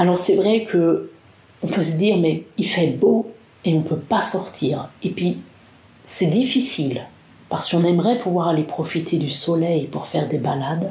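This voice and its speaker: Somewhat breathy woman with a dark, mellow tone, fairly low pitch, ordinary pitch variation and fairly slow pace, in audible room echo. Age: 40s. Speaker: protestant pastor. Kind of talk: testimony. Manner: halting.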